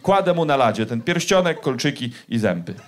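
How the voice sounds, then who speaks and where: A male comedian spins a story with plenty of swearing and a lively, swinging pitch. His delivery is loose and animated. A constant hiss runs under the live recording. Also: fairly quick. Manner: profane, animated. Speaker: stand-up comedian. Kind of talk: stand-up storytelling.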